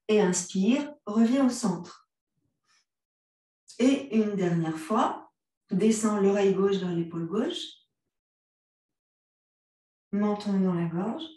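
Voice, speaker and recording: Slow, calm French woman guiding yoga. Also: medium pitch. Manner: calm, gentle cues, mixes vous and tu. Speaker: yoga instructor. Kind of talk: guided yoga class instruction. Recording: very echoey room, voice from a distance.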